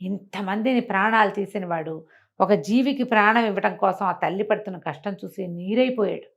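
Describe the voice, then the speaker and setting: A woman telling moral tales aloud in an animated, conversational way, explaining as she goes and acting out dialogue. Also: medium pitch, normal speed, muffled recording. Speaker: storyteller.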